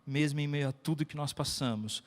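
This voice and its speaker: A man's voice: on the high side, brisk. A Brazilian man preaching a sermon with personal stories, emphatic and repeating phrases for effect. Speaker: pastor. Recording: echoey hall with long reverb.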